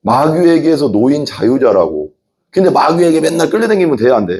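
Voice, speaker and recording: A male pastor preaching a sermon in a lively way, often putting questions to the congregation. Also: fairly high pitch, fairly quick.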